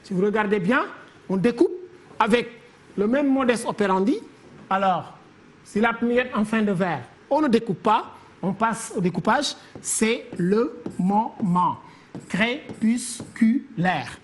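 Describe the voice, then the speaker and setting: A woman teacher giving a televised literature lesson, counting syllables slowly and deliberately. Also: a little high, lively intonation, slight background noise.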